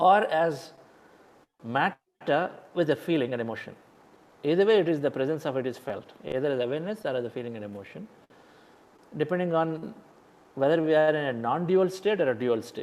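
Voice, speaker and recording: Speaking with a Telugu accent, a man uses lively intonation at a fairly quick pace, broken by long, frequent pauses. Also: fairly high pitch for a man. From India. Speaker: meditation teacher and entrepreneur. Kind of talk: spiritual talk answering questions.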